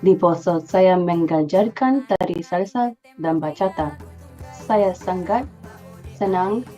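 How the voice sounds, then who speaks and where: A woman's voice: lowish voice, expressive, takes it slowly, warm tone, muffled recording, soft background music. A woman from the United States, giving a prepared self-introduction. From Philadelphia, United States. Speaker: dancer.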